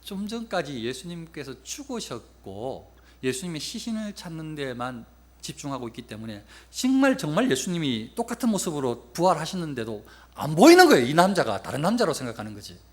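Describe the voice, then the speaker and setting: Animated Korean pastor preaching. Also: male voice, on the high side, a little fast. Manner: acts out the quoted lines with rising emotion. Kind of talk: sermon retelling a Bible story. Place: church sanctuary.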